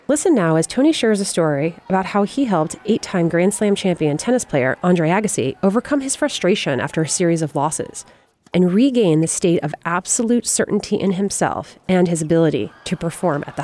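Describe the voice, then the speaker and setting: A woman hosting, smoothly reading a scripted introduction. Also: lowish voice, animated, moderate pace, darkish tone, slight background noise. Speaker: podcast host.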